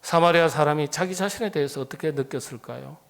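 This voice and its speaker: Gravelly middle-aged male pastor preaching. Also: fairly high pitch, fast talker. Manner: dramatic, swings between loud emphatic lines and hushed near-whispers; rhetorical, repeatedly asks the congregation questions. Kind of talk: sermon.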